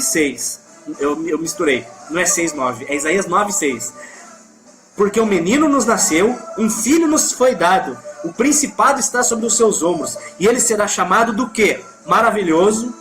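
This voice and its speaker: A man's voice: high-pitched, a bit bright. A man with a Brazilian Portuguese accent leading a live Bible study, emphatic, reading scripture aloud and correcting himself as he goes.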